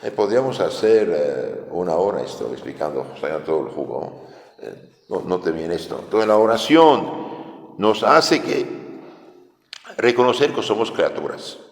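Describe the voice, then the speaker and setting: Priest with a French accent preaching catechism, deep and animated, recorded in a reverberant hall. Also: male voice, measured pace. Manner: lively preaching with rhetorical questions. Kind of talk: catechism sermon. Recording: echoey hall.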